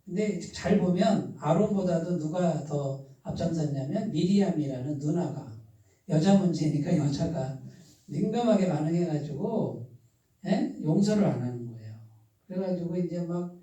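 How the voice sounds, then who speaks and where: A man's voice: on the high side, expressive, moderate pace, warm tone. Man preaching in a very echoey church hall. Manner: asks the congregation questions and waits for answers. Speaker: pastor. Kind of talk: sermon. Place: church sanctuary. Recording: very echoey room, voice far from the mic.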